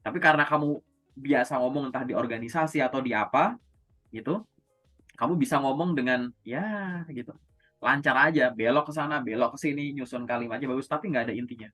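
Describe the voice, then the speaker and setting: A man's voice: medium pitch, a little fast, fairly bright tone, soft background music. A man coaching job seekers in a casual, conversational way, asking and answering his own questions. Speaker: career coach.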